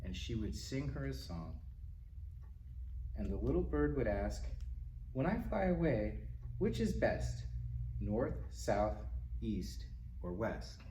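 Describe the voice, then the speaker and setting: A man reading a picture book aloud to young children in a gentle, simple manner, with little asides to them as a storytime reader. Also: on the low side, big pitch swings, slow, pauses often. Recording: roomy, distant mic with faint noise.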